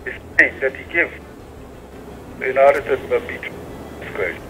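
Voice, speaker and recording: A male caller on a phone line that keeps breaking up and cutting out, speaking haltingly and hard to make out. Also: medium pitch, expressive, fairly bright tone. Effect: phone call breaking up, cutting in and out. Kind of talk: call-in to a TV quiz. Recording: tinny phone line with faint noise.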